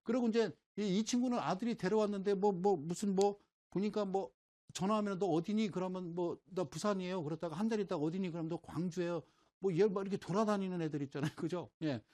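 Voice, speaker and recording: A man's voice: sits high, fast, darkish tone. A middle-aged man giving an informal recorded lecture on stocks, explaining with homespun everyday examples and often checking that listeners follow. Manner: folksy, keeps asking "right?" to check the audience follows.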